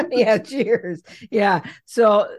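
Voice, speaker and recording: A woman hosting a podcast, speaking in an animated, halting way with many restarts and stammers. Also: a little high, no echo. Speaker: podcast host. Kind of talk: casual conversation.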